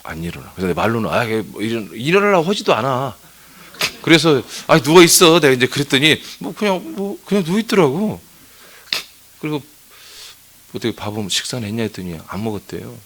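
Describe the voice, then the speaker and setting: Lively, storytelling male pastor. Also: mid-range voice, brisk. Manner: chatty storytelling, scolding with humor; asks the congregation for answers. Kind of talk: dawn service sermon. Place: church sanctuary.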